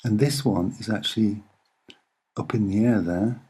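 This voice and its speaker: A soft-spoken man giving unscripted commentary on images in short, deliberate, hesitant phrases. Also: on the low side, slightly rough. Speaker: amateur presenter explaining photographs.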